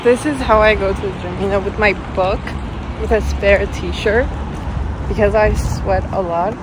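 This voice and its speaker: A woman's voice: mid-range voice, normal speed, background noise. A young woman from Turkey with a Turkish accent, chatting casually to her phone camera in English and dropping in Turkish words, a bit self-deprecating. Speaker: vlogger. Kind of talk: casual vlog chat. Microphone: phone held in hand.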